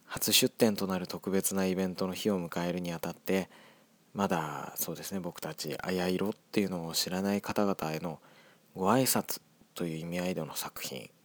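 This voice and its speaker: A young man with a light Hiroshima accent talks thoughtfully about writing his audio drama, often pausing to hedge his words. His voice sits very low, and the recording is close and dry with no room sound. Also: fairly even intonation, no echo. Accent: Hiroshima dialect. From Hiroshima, Japan. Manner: reflective, hedging, soft-spoken. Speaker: scriptwriter of an audio drama group.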